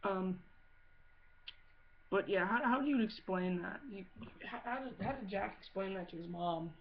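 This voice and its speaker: A woman's voice: medium pitch, normal speed. A woman giving a casual, comedic video-blog monologue in a blunt, sweary, sarcastic way. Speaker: amateur video blogger. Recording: muffled audio with clear background noise.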